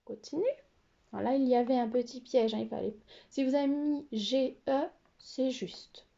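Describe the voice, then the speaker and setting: A woman teacher giving a slow, careful phonics lesson to young pupils, spelling out letters and syllables. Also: high voice, creaky, mellow, muffled recording. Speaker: primary school teacher.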